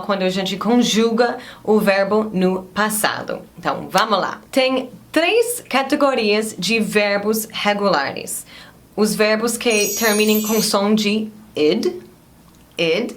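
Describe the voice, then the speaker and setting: A woman teaching English pronunciation, carefully modeling each English word slowly. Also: mid-range voice. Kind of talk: pronunciation lesson.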